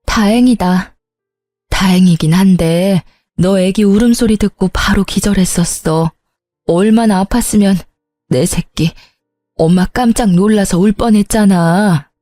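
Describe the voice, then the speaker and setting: A woman voicing a caring middle-aged mother who talks softly and soothingly to her daughter. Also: mid-range voice, measured pace, no room sound, soft background music, natural voice. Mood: tender. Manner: soft and soothing.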